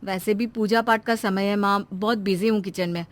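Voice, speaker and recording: A woman's voice: medium pitch, fairly even intonation, normal speed, voice pushed down, lightly acted. A woman voicing a young wife caught between her husband and her mother in a cartoon story, earnest and pleading.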